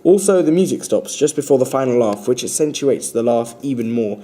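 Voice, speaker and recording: A young adult man reading a scripted analytical commentary in a formal, measured way. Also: medium pitch, lively intonation, warm tone. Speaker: student filmmaker explaining their trailer.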